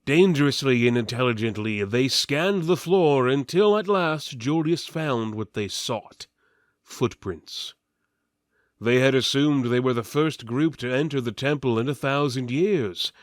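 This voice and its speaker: A man's voice: medium pitch, expressive, unhurried, no room sound, studio quality. Theatrical male fantasy narrator, swooping delivery. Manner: theatrical, mock-solemn. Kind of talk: dramatic reading of mock-epic fantasy.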